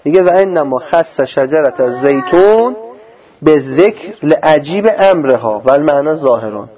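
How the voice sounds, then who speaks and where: A man teaching a religious lecture on scripture, explaining verses slowly and arguing with a sarcastic edge. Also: fairly high pitch, expressive. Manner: sarcastic, argumentative. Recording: dull lo-fi recording.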